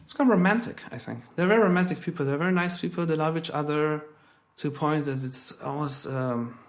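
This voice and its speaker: A man in his thirties who grew up in Germany, a comedian guest in a casual conversation. His voice sits a little high for a man, and he jokes in a wry, deadpan way. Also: brisk. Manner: wry, joking deadpan delivery.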